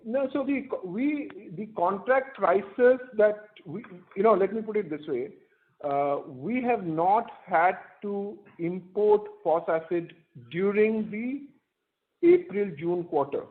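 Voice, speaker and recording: A man with an Indian accent answering earnings-call questions as an executive, haltingly working through figures and correcting himself over a phone line. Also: high-pitched, animated. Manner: halting, self-correcting while citing figures. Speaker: company executive. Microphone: telephone conference line. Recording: muffled, band-limited conference phone call.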